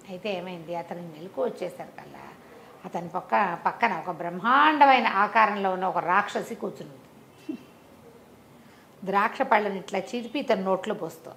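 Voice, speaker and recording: A woman's voice: medium pitch, slight background noise. A woman storyteller narrating a folk tale in a conversational, explanatory way, repeating phrases for emphasis.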